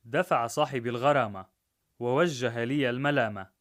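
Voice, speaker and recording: A man narrating a rhymed story in a measured, rhythmic way. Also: mid-range voice, a bit bright.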